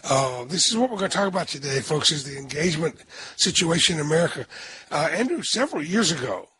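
An older man with a hoarse voice, hosting a radio talk show in a chatty, rambling way. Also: on the high side, very animated, fast, pushed and bright.

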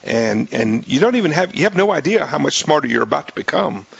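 A man hosting a radio talk show in a casual, joking way, his voice raspy, often restarting his sentences. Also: a little high, big pitch swings, brisk, no room sound, lo-fi sound. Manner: jokey, rambling with many restarts.

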